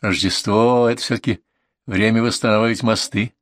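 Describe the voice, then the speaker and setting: A man voicing a kind, gentle young man who speaks softly. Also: lowish voice, steady tone, a little fast, dry recording, studio quality, natural voice. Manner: soft and gentle.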